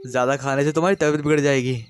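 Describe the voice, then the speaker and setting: A man's voice: medium pitch, steady tone, rapid-fire, clear, resonant tone, lightly acted. A man voicing an impatient, short-tempered young husband who scolds in an exasperated way. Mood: scolding.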